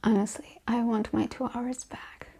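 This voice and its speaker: A woman from Russia speaking softly as an ASMR host in a sassy, emphatic rant, her breathy voice often slipping into a whisper. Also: fairly high pitch, little pitch movement, moderate pace. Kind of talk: softly spoken ASMR chit-chat film rant.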